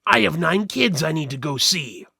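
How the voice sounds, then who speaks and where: A man's voice: a little high, expressive, moderate pace, creaky, bright, forceful tone, breathy edge, dry recording, clean studio sound, heavily acted. A man voicing a pleading, chatty skeleton in a fantasy story, insistent and wheedling. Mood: exasperated, chatty. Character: pleading, chatty male skeleton, bored caged undead father. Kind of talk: fantasy audiobook dramatic reading.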